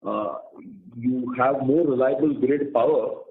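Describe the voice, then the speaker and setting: A man speaking as a company executive on an earnings call, explaining in a halting way and repeating words. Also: medium pitch, a little hiss or hum. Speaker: company executive answering analysts. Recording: roomy, tinny conference phone line.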